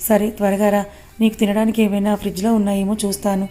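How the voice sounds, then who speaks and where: A woman's voice: medium pitch, level tone, fast, warm tone, lightly acted. A woman voicing a worried young man who scolds and pleads with his friend.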